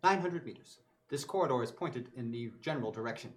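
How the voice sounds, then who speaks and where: A man running a tabletop game voices a calm, polite ship computer AI that talks in level, formal phrases. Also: medium pitch, quick pace, natural voice. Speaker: game master. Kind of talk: voicing a character in a tabletop game.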